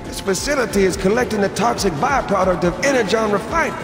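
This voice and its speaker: A man's voice: sits high, lively intonation, fast. A man voicing a cool, cocky, easygoing robot soldier in a video game, with a nonchalant, teasing manner. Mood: matter-of-fact. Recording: loud music over dialogue.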